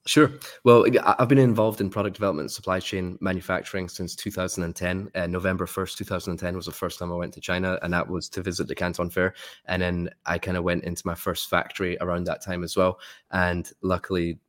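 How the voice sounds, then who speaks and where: A man's voice: low voice, level tone, quick pace. A man from Scotland, a guest in a casual interview, explaining things in friendly, upbeat lists. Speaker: guest, sourcing expert.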